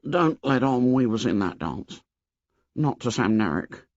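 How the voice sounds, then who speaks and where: A man voicing a shrill, nearsighted, anxious schoolboy who talks in rough, ungrammatical boy's speech. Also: sing-song, unhurried, a little mellow, no room sound, lo-fi sound. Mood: urgent. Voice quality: shrill, pleading.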